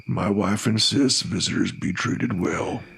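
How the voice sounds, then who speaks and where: Man doing a gravelly, flat-voiced country hill man. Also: deep voice, unhurried, voice pushed down, heavily acted. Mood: calm. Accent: rural American country drawl. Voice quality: thick flat country accent. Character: gruff hillbilly man, calm, deadpan, heavyset.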